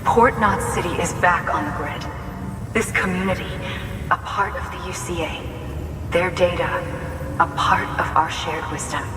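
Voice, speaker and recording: A woman voicing a solemn leader in a video game cutscene, speaking earnestly and hushed. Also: lowish voice, normal speed, background noise, close to an everyday voice. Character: solemn leader urging a courier onward. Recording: roomy echo, distant, with game score.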